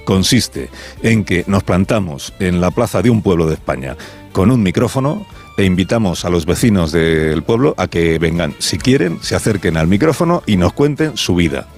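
A man's voice: low-pitched, big pitch swings, normal speed, darkish tone, soft background music. A man hosting a live radio show a village square, chatty and playful, often breaking off mid-sentence. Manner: chatty, playful, self-interrupting. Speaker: radio host. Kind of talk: live radio talk and interview.

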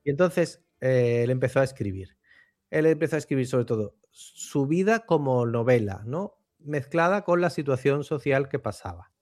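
A man talking through a book and its author in a relaxed radio chat, with thoughtful pauses and tag questions. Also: medium pitch, no room sound, studio quality. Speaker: book commentator on a radio show. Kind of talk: conversational book commentary.

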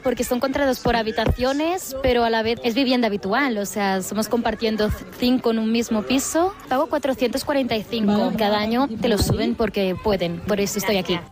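A woman's voice: on the high side, a little fast, few pauses, music in the background. Direct woman from Barcelona. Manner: matter-of-fact, direct.

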